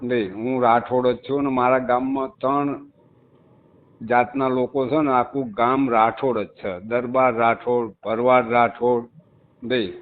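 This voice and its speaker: A man calls in and presses his point again and again, insistent and emphatic. His voice sits at an ordinary middle pitch. It comes through a thin, tinny phone line. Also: fairly even intonation, unhurried. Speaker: caller. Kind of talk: phone call. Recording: tinny phone call recording.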